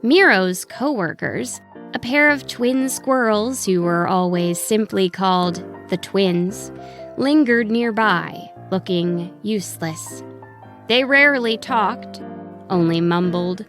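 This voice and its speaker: A woman narrating a scripted children's story in an expressive, deliberate way. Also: mid-range voice, faint music behind.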